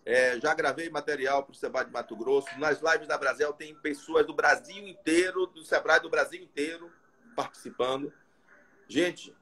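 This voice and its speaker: A man's voice: fairly high pitch, a bit bright, breathy edge. A middle-aged man with a Brazilian accent speaking as a consultant on a live video call, motivational and emphatic, in short phrases. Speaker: restaurant consultant, guest. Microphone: video call, device close in front.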